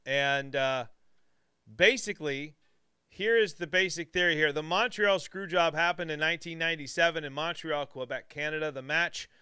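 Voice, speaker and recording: A man hosts a live online talk show in an upbeat, hyping way. His voice is bright and smooth, set a little high. The sound is dry and close. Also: normal speed, dry recording. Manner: upbeat, hypes up guests. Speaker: host. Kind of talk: casual live show chat.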